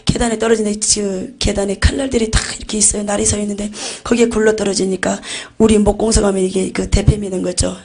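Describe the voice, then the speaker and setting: A woman's voice: mid-range voice, creaky, darkish tone, breathy edge. A woman giving an intense religious testimony about visions, often dropping to a near-whisper. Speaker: testimony giver.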